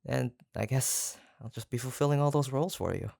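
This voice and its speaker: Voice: mid-range voice, fairly quick, vocal fry, no room sound, studio quality. A performer playing an obsessive, lovestruck yandere kidnapper in a roleplay audio drama, hesitant and rambling as they dote on the listener. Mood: doting, rambling. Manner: hesitant, rambling, soft-spoken menace with nervous chuckles.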